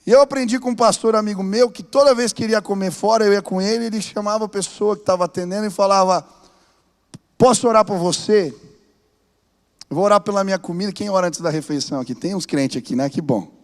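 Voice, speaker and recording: A man, a pastor telling stories in a sermon, animated and rising into fervent exhortation. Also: high-pitched, fast talker, hardly any pauses. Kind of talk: storytelling sermon. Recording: long reverb of a large hall.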